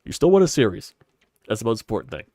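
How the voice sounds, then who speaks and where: Brief: stuffy-nosed young male stream host, low voice, dry close sound, rambling and opinionated. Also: sing-song, fast talker, mellow, no echo. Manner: rambling, opinionated, swears casually. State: congested, stuffy nose. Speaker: sports podcast host. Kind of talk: casual solo sports talk stream. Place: hot stuffy room at home.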